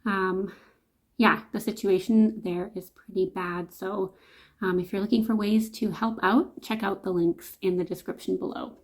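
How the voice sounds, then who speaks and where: A woman's voice: mid-range voice, steady tone, a little slow. Casual, chatty Canadian woman vlogger. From Canada, immigrated from Slovakia at five. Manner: chatty, informal, conversational. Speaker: vlogger, host. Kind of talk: casual storytime vlog, talking to camera.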